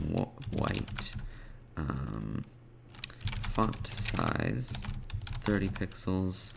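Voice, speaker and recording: A man with a low, gravelly voice talks through a programming tutorial in halting fragments, thinking aloud as he goes. Keyboard clicks and typing sit behind him, along with some background noise. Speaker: web development tutorial host. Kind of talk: informal screencast coding tutorial, explaining steps while typing. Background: computer keyboard typing and clicks.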